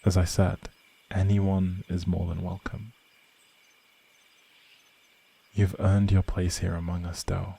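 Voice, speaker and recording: A man playing an outlawed prince, a gentle, protective leader, in earnest dramatic roleplay audio with old-fashioned, measured phrasing and a husky, breathy voice. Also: low-pitched, monotone, exaggerated voice. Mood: resolute, stern.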